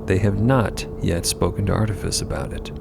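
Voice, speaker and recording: A man's voice: sits low, normal speed, gravelly, background noise. A man reading dramatic scripted narration for an audio story.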